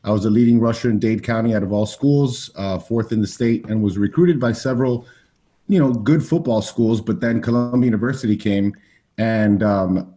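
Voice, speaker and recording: A man's voice: fairly low pitch, normal speed, warm tone. An American man from Miami talking conversationally about himself as an interview guest. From Miami, Florida, USA. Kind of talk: casual conversational personal storytelling.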